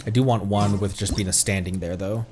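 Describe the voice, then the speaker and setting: A man's voice: lowish voice, fairly even intonation, a little fast. A man giving casual livestream commentary on a game, musing aloud and rambling as he plays. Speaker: VTuber game streamer. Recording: music playing behind the voice. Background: game music.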